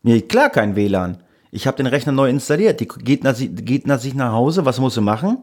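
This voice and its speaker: A man's voice: mid-range voice, sing-song, a little fast, a little mellow. A man co-hosting a casual podcast chat, telling grumbling tech stories in a rambling way full of fillers. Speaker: podcast co-host.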